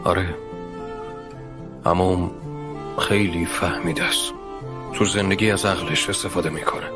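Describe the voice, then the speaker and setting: A man's voice: deep voice, fairly even intonation, close to an everyday voice. An actor dubbing a troubled young husband torn between his family and his wife. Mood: soft. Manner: pleading, frustrated, later hushed. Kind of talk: Persian drama dubbing. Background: music score.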